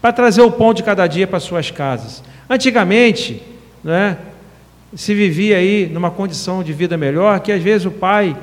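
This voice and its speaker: A man's voice: high-pitched, expressive, normal speed, big-room sound. A man in his fifties, a city councilman giving a formal speech with many fillers and an earnest tone. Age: 50s. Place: council chamber.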